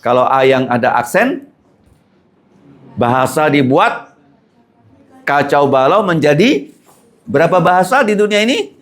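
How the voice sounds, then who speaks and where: Animated pastor teaching a class. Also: male voice, on the high side, a little slow, pauses often. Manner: lively, asks the class questions and answers them.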